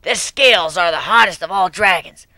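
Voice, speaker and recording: An awestruck tribal elder from a fantasy story, performed by a man, raised high above normal talk and very forceful. Every phrase is a grave, drawn-out proclamation. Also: no echo, full character voice. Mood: awed, proclaiming. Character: proud old tribal elder, grave and awed.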